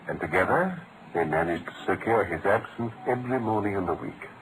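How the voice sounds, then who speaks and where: An actor playing a brilliant, world-weary British gentleman detective in an articulate, theatrical old-time radio drama style. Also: fairly low pitch, animated, fairly quick, a little hiss or hum, natural voice, rough recording. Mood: precise, deductive. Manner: articulate, theatrical, explanatory delivery.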